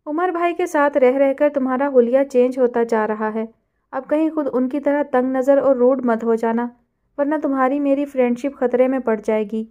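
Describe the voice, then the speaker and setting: A woman's voice: high-pitched, warm tone, lo-fi sound, natural voice. A woman voicing a playful, mocking young woman friend in a storybook reading. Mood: teasing. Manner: teasing, mocking.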